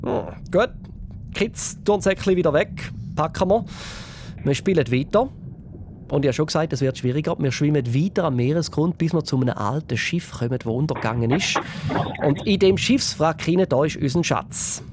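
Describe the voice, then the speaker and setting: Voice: medium pitch, animated, normal speed, a little mellow, a little hiss or hum. A quiz host with a Swiss German accent, upbeat and encouraging on a children's radio quiz.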